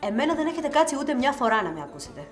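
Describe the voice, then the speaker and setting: An actress playing a pushy, jealous club singer who complains and needles in a TV drama. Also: female voice, sits high, very animated, reverberant, faint music behind. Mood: complaining. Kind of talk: TV drama acting.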